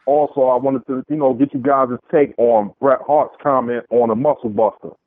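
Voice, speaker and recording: A man's voice: mid-range voice, steady tone, normal speed, no echo. A man with a Brooklyn accent calling in to a show over the phone and chatting casually as a fan. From Brooklyn, New York. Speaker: phone-in caller. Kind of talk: casual sports fan chat. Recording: narrow tinny phone line.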